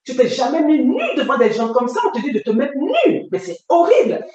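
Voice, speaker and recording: A woman's voice: high voice, sing-song, fairly quick, mellow, highs cut off. A woman giving an emotional personal testimony, retelling events vividly and intensely. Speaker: testimony giver. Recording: echoey room, distant mic.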